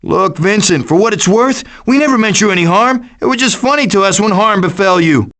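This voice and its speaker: Cartoon game raccoon: high, swooping voice, glib scheming wisecracker. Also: male voice, expressive, fairly quick, a bit bright. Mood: smooth, glib. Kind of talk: animated video game voice acting.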